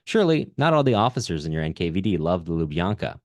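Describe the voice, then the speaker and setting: A man's voice: low voice, sing-song, quick pace, no echo, clean studio sound. A man hosting a podcast, giving casual literary analysis with emphatic points, frequent restarts and check-in questions. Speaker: podcast host.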